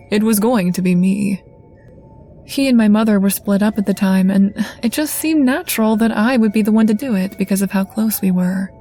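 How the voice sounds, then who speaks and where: Mellow-voiced woman narrating a story. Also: mid-range voice. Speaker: guest narrator. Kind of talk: scripted first-person story narration.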